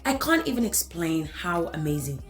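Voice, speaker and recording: A woman in her thirties with an African accent talks through a hair care tutorial in a lowish voice. She is enthusiastic and repeats phrases for emphasis. Soft music plays faintly behind her. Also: big pitch swings, normal speed. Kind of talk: tutorial voice-over.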